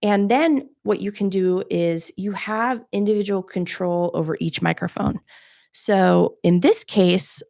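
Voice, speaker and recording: Soft-voiced woman with a gravelly edge. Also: medium pitch, unhurried, dry recording, studio quality. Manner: chatty, demonstrating gear on camera. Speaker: podcast coach hosting a live Q&A. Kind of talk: casual live-stream tutorial.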